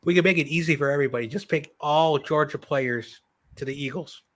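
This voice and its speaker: A man's voice: on the high side, a little fast. A man co-hosting a sports podcast, teasing the others in playful casual banter. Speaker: podcast co-host. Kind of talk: casual chat.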